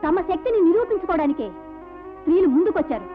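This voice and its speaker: A woman's voice: extremely high pitch, expressive, fast. An actress playing a fierce, defiant woman in a film drama, denouncing a man with fiery speech. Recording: dull old film soundtrack with loud music.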